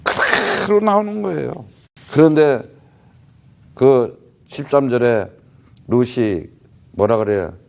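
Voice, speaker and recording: A gravelly, expressive, mid-range male voice preaches slowly with long pauses, a missionary addressing his congregation. His speech is plain and conversational but emphatic, packed with rhetorical questions and frequent "huh?" tags.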